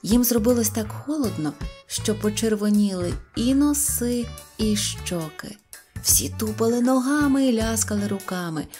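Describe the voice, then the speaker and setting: A woman narrating a children's fairy tale as an audiobook, expressive and lively. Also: mid-range voice. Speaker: storyteller.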